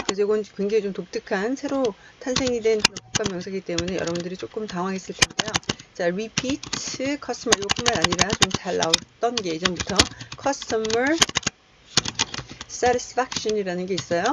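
A woman gives a recorded test-prep lecture, walking through each answer step by step. She keeps asking the class questions and then answers them herself. The sound is a bit muffled, with a steady hiss behind her. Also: medium pitch, brisk. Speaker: English test prep instructor.

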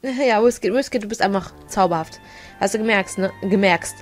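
A woman's voice: mid-range voice, moderate pace. A woman giving casual, chatty video game commentary, giggling often and stumbling over her words. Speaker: let's play gamer. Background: faint game music.

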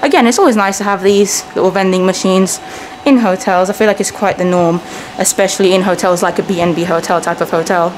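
A woman in her thirties whose first language is Persian chats brightly through a self-filmed hotel walkthrough, with her pitch jumping up now and then. The sound is handheld camera audio with clear background noise from the indoor lobby. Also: steady tone, fast talker, hardly any pauses, poor audio. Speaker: travel vlogger. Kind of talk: casual walking hotel tour.

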